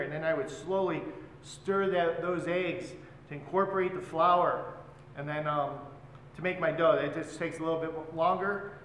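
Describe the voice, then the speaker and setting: Chef teaching from across an echoey hall. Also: male voice, fairly high pitch. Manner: relaxed, explains while working with his hands. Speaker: chef instructor. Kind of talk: cooking class demonstration. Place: large hotel function room, indoors. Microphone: far camera. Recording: echoey hall, voice from far off, loud background noise.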